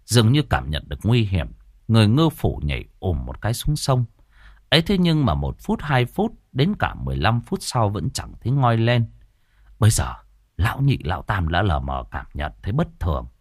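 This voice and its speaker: A man narrating a comic ghost story in a colloquial, lively manner. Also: on the low side, normal speed, no echo, clean studio sound.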